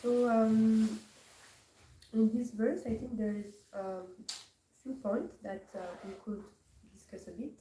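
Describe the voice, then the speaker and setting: A woman from Morocco gives a scripture class, pausing often and searching for her words. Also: on the high side, fairly even intonation, dark tone. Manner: hesitant, searching for words with many pauses. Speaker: class speaker. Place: temple hall. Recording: echoey hall from far off, faint noise.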